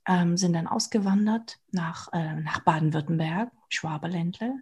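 A woman in her thirties, from Portugal, with a slight Swabian accent, talking about her life as a guest in a casual interview, reflective and pausing with fillers. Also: on the low side, a little mellow, husky. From Portugal, raised near Stuttgart. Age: 30s. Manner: reflective, with many fillers and restarts. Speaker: guest, coach for women.

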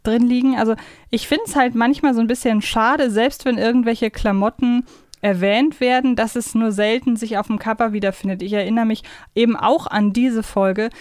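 A woman's voice: a little high, steady tone, moderate pace, darkish tone, no echo, clean studio sound. A woman co-hosting a podcast in a casual, conversational discussion. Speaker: podcast co-host.

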